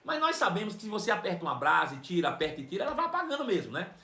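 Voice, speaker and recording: A man with a Brazilian accent preaching a sermon, telling a personal story in an animated way and repeating phrases for emphasis. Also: high-pitched, very fast, roomy sound. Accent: Brazilian Portuguese.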